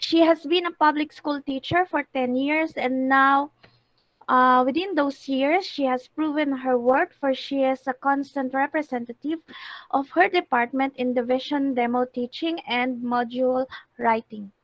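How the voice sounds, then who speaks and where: A woman's voice: sits high, steady tone, measured pace, dry recording, dull audio. A woman moderating an international online class, calling on questioners and formally reading out speaker introductions. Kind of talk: formal event hosting.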